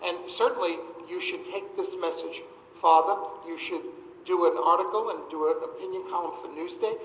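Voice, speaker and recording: A man presiding over a town board meeting, measured and firm as he advises a speaker and then closes the discussion. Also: high voice, steady tone, a bit bright. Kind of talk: meeting chairing. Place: town hall meeting room. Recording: echoey hall, muffled, faint noise.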